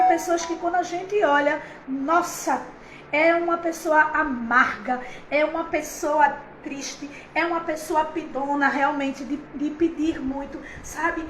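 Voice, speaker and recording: A woman's voice: sits high, echoey room, a little hiss or hum, rough recording. A woman pastor, preaching a heartfelt, conversational sermon on a livestream, with many fillers.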